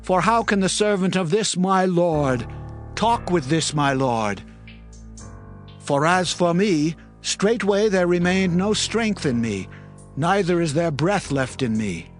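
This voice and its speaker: Humble awed prophet in a bible audio drama, highish male voice, earnest n reverent, faint music behind. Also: lively intonation, takes it slowly. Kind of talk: dramatized scripture narration.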